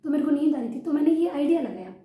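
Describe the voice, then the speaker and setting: Fast-talking high-voiced young woman vlogging. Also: expressive, mellow, reverberant. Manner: chatty, frank, uses yaar often. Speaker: vlogger studying for a teaching exam. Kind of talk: casual vlog chat. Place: room at home.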